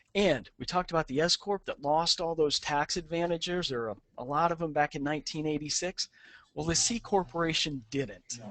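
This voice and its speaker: Heard in a dry, close sound with no echo, a man speaks with ordinary pitch variation. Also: fairly high pitch for a man, fairly quick pace. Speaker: tax strategy speaker. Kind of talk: webinar presentation. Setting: conference call. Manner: fast.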